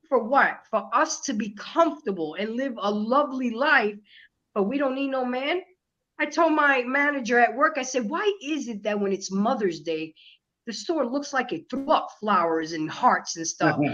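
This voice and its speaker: A woman with a New York accent, bright and sharp in tone, at a moderate pace and high pitch with very wide pitch swings, over a quiet background. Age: 40s. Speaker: live stream host. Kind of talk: casual live-stream talk. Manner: animated.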